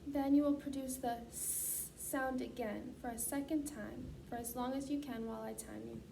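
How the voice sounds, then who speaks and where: A woman with a high voice speaks as a clinician, formally reading out procedural instructions. She is picked up from some distance from the mic, with clear noise in the recording. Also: fairly even intonation, normal speed. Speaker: student clinician giving a voice assessment.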